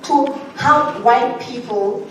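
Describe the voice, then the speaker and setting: A woman, an audience member telling a story during a Q&A in a large lecture hall, animated and often laughing. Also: high-pitched, slow, a little hiss or hum. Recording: echoey hall, voice from far off.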